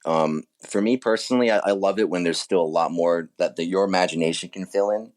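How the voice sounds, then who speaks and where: A man's voice: low-pitched, brisk, a little mellow. A man speaking casually as an author being interviewed, keen and reflective about his work.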